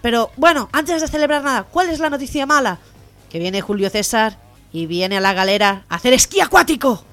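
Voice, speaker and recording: A woman co-hosting a local radio comedy show with a Catalan Spanish accent, telling jokes with lively acted-out voices. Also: fairly high pitch, fairly quick. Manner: lively joke-telling, acting out the lines of the joke characters. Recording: radio show with faint music behind.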